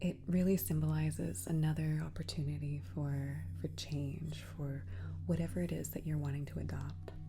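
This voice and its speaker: A soft-spoken, somewhat breathy woman with a gentle, dark and mellow tone, very deep and low in pitch, with ordinary pitch variation. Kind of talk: ASMR soft spoken positive affirmations. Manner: soft-spoken, gentle.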